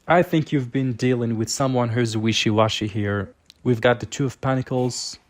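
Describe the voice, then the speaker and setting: A man with a mid-pitched voice reads tarot cards for his listener. He talks casually and conversationally, explaining each card as host and thinking aloud as he goes. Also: darkish tone. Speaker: tarot reader, channel host.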